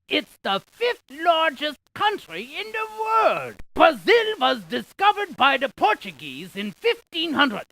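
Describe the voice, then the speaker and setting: Wacky scientist for a kids video game, bright gravelly voice, jokey and theatrical. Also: high voice, dry recording, full character voice. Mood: excited, teasing. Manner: jokey, theatrical, punchy trivia delivery. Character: quirky, wisecracking scientist tour guide in a video game. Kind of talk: cartoonish educational game voice acting.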